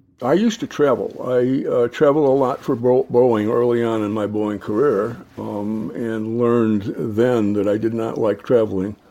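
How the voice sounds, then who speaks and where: Noticeable background noise runs behind a man's medium-pitched voice. He talks at a moderate pace with fairly even intonation and hardly any pauses. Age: 70s. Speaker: retired engineer. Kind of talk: casual chat. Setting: phone call. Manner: halting.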